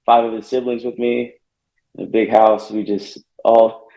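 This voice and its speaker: A man's voice: lowish voice, level tone, moderate pace, creaky, muffled recording. Hesitant young man on an echoey call line. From Northern California. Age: young adult. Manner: soft-spoken, hesitant, many fillers. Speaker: college football player guest. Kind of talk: interview answers.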